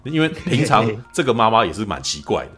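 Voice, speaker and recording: A man's voice: lowish voice, fast talker, husky, faint music behind. A man with a Taiwanese Mandarin accent, a podcast host in casual film chat who tells stories with energy and acts out the lines he quotes. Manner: animated storyteller, acts out quoted lines, frequent "你知道吗" asides.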